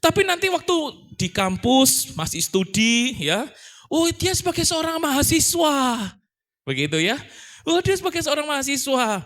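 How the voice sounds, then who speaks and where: A male pastor preaching in a high, lively voice. He talks in a strongly animated way, often asking rhetorical questions and acting out short voices to make his point. His pitch swings widely from phrase to phrase. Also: normal speed. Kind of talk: sermon.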